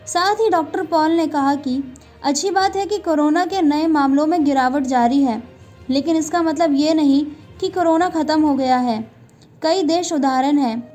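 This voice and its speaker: High-pitched woman reading the news. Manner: steady formal newsreader delivery. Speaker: news anchor.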